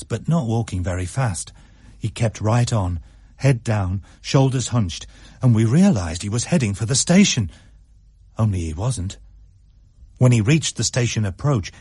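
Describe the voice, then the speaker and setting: A man narrating a story with a lively, swinging delivery. His voice is slightly husky and close, recorded in a dry studio. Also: mid-range voice, no echo. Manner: expressive, animated storytelling. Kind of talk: scripted story reading.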